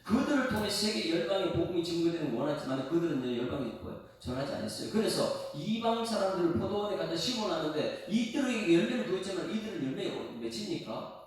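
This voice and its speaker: A man's voice: high-pitched, very animated, fast talker. A male pastor preaching an expository sermon at a dawn prayer service, asking the congregation questions as he goes. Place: church sanctuary. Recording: echoey room, mic far off.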